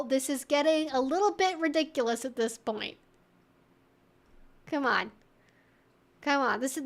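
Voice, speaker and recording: A woman's voice: high voice, fairly bright tone. A woman hosting a live Q&A stream, thinking aloud in an informal, chatty, wry and opinionated way.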